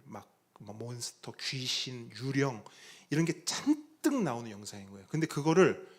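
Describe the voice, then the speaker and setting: A middle-aged man preaching a sermon as a pastor. He tells a story in an animated way, acts out the voices of the people he quotes and asks the congregation questions. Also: mid-range voice. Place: church sanctuary.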